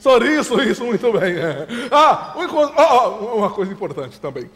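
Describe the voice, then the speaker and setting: A fussy, overbearing father who keeps chuckling and repeating his advice, played by a man. His voice sits very high and swings around a lot. The stage-play recording rings with long hall reverb. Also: sing-song, normal speed, fairly bright tone. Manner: chuckling, repeats himself, lectures.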